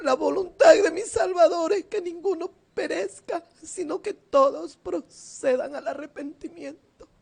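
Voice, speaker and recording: A woman preaching a fervent sermon while seated, her voice often tearful and at times rising into loud cries. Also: very high voice, measured pace, creaky, few pauses. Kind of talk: emotional sermon. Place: seated indoors.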